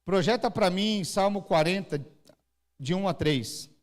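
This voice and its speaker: A man's voice: high voice, unhurried. A man from Brazil with a São Paulo-area Brazilian Portuguese accent, preaching a church sermon and acting out crying babies and parents. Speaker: pastor. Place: church service.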